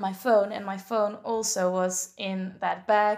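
A woman talks with a Dutch accent. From Netherlands. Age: 20s. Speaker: traveler. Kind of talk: interview. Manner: halting.

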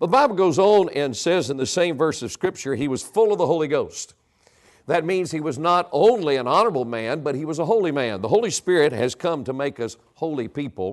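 Speaking fairly quickly in a Southern US accent, a man's fairly high voice carries lively intonation. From US South, North Carolina. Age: 70s. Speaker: evangelist preacher. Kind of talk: sermon. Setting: church.

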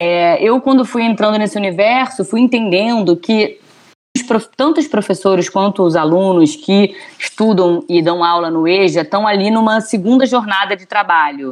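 At a moderate pace, a woman with an ordinary speaking voice talks at medium pitch with lively intonation. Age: 40s. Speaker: TV and film director. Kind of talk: interview.

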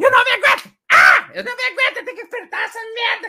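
Someone shouts in a put-on character voice at an extremely high pitch. The words tumble out at a very fast pace. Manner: panicked, frantic, mocking.

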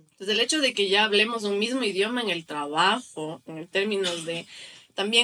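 Her intonation is lively and her pace moderate as the woman speaks in an ordinary speaking voice. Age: 20s. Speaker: entrepreneur. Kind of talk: interview.

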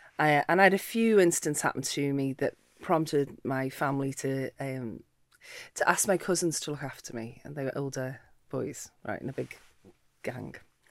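A woman with a Liverpool accent and a very deep, low voice, at a moderate pace with ordinary pitch variation and big swings in loudness, in a very clean recording with a silent background. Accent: Liverpool (Scouse) English. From Liverpool, England. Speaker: social engineering expert. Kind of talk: interview.

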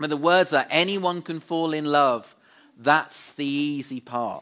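A man with an English accent speaks at a very slow pace with a fairly high pitch. The background is quiet. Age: 30s. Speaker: visiting preacher. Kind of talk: sermon.

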